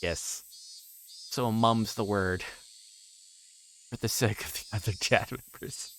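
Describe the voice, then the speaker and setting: A man hosting a livestream, chatting casually in a halting, rambling way and often repeating words as he plays a game. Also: on the low side, a bit bright, a little hiss or hum. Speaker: livestream host. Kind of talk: casual livestream chat while playing a visual novel.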